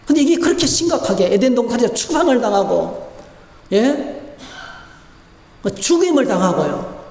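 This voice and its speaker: A man's voice: extremely high pitch, big pitch swings, fast, a little mellow. A male pastor preaching a sermon, telling stories and asking the congregation rhetorical questions, in a church. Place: church sanctuary. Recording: echoey church hall with long reverb.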